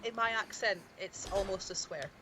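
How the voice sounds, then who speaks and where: A woman's voice: mid-range voice, moderate pace, bright, forceful tone, poor audio. A woman with an Edinburgh Scottish accent, reading viewers' chat comments aloud on a casual live stream with frequent giggles.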